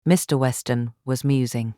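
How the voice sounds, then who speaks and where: A woman's voice: a bass voice, fairly even intonation, normal speed, warm tone, dry recording, studio quality. A woman reading scripted literary narration for an audiobook.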